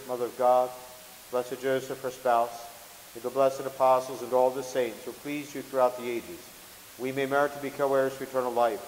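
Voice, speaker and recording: A man, a Catholic priest, reciting liturgical prayers in a solemn, measured way. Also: mid-range voice. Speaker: Catholic priest celebrating Mass. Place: large church sanctuary at the altar. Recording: echoey church, long reverb, hiss.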